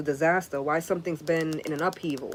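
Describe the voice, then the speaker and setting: Noticeable background noise is present. Over it, a woman talks at a fairly quick pace. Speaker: tarot reader. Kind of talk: live-stream tarot reading chat. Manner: casual, profane, animated.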